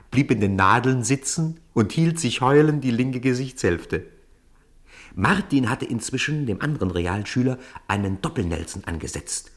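A man narrating a children's radio play as a scripted storyteller. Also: on the low side.

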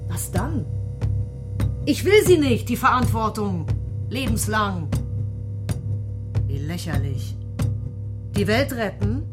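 An actress playing a torn, brooding and defiant inner voice in a literary radio play, speaking in deliberate, emphatic short phrases. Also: female voice, mid-range voice, sing-song. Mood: exhausted, defiant. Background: prominent music.

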